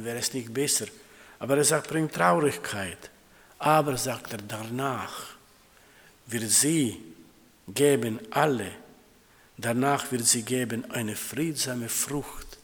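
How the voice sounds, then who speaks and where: A man preaching a sermon to his congregation, calling them siblings and quoting scripture, with halting, non-native phrasing and restarts. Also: medium pitch. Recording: long hall reverb.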